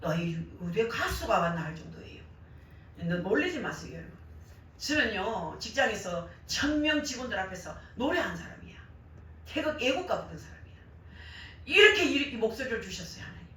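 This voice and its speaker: Older female preacher, Gyeongsang Korean accent, hoarse but bright and forceful, heard in a very echoey church hall. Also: mid-range voice, fairly quick, far from the mic. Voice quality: worn, hoarse voice damaged by years of crying out in prayer. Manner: animated storytelling, acting out quoted remarks. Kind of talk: sermon with personal anecdotes. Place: church service, roomy indoor hall.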